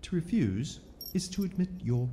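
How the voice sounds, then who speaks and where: An actor playing a stern, contemptuous sorcerer interrogator in a fantasy audio drama, imperious, menacing and deliberate. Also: male voice, fairly high pitch, sing-song, warm tone. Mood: cold authority. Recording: long echoing reverb, noisy ambience.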